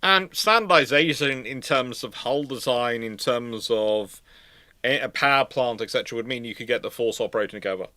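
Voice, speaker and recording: A man's voice: mid-range voice, moderate pace, bright, forceful tone, dry recording. A man hosting a live stream, rambling casually as he answers viewers' questions. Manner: rambling, tangent-prone. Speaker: host of a naval history live stream.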